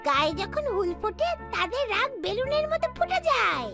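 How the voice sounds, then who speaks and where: A woman's voice: very high voice, big pitch swings, moderate pace, creaky, full character voice. A woman voicing a fussy, helpful male robot cat in a dubbed cartoon, chatty and bossy. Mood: explaining. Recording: loud cartoon music underneath.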